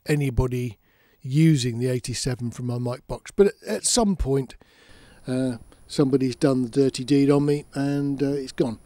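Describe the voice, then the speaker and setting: A man's voice: mid-range voice, normal speed, mellow. A man giving a casual explainer as a presenter, talking in a matter-of-fact, conversational way, step by step. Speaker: presenter of an audio gear channel.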